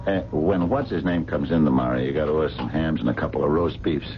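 An actor playing a gruff, impatient, hard-hearted diner boss who nags brusquely in a radio drama. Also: male voice, a bass voice, fast. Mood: nagging. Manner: brusque, nagging. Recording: dull old radio recording, faint noise.

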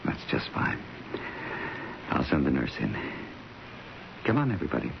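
An actor playing a calm, firm and kindly hospital doctor in a radio drama, with a gravelly voice. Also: male voice, very deep voice, moderate pace, heavily acted. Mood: firm, reassuring. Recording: muffled radio broadcast with faint hiss.

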